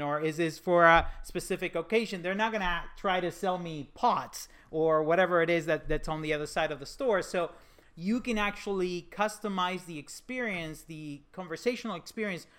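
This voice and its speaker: A man's voice: high voice, normal speed, fairly bright tone, clean tone. A man hosting a business interview, talking conversationally as he responds and sets up questions. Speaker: interviewer, podcast host.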